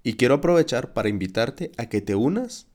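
A man hosting a podcast lesson as a Spanish teacher, speaking in a clear, encouraging, teacherly way. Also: medium pitch, sing-song, brisk, a little mellow.

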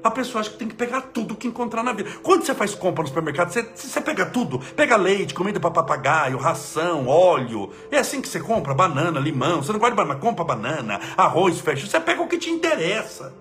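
A man, an energetic spiritual leader giving an emphatic inspirational talk and leading prayer. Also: high-pitched, fast, few pauses.

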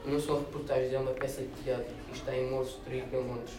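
A man reading a humorous prose excerpt aloud with a brisk, wry delivery. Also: mid-range voice, flat delivery. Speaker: reader at a reading event. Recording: echoey room, distant mic, noisy.

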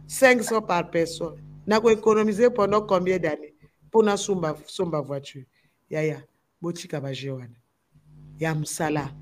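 Slight background noise sits behind this woman's fairly low, darkish voice. A gospel musician from the Democratic Republic of the Congo, she has a Congolese French accent and speaks with fervor in an impassioned talk-show discussion, using repetition for emphasis.

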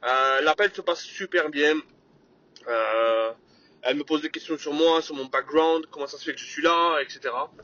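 A man's voice: on the high side, normal speed, bright, forceful tone, highs cut off. A man hosting his own podcast, talking energetically in a casual solo monologue, with lots of fillers and bits of English sales jargon. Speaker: podcast host.

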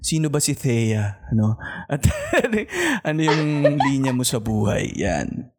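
A man's voice: medium pitch, wildly swooping pitch, takes it slowly, a little hiss or hum. Playful male podcast host. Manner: playful, laughs often. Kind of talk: casual chat.

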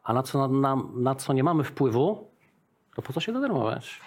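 A man's voice: mid-range voice, very animated, normal speed, darkish tone. Chatty man explaining business ideas. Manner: chatty, explains with examples, often adds "tak?". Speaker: interview guest, business owner. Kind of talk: casual business interview.

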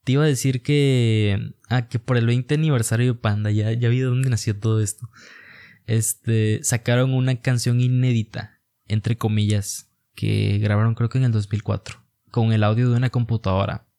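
This is a young man with a Mexican accent talking on a casual podcast. He is relaxed and chatty, telling stories in a loose, friendly way. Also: mid-range voice, moderate pace. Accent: Mexican Spanish. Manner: relaxed, chatty, laughs easily. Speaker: podcast co-host.

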